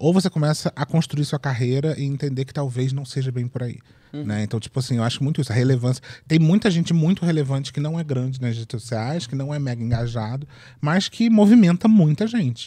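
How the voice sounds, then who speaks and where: Against a quiet background, a man speaks fairly quickly in a dark, mellow, somewhat breathy tone with lively intonation and a dry sound with no echo. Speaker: podcast host. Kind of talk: casual comedic chat. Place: studio. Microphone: studio mic.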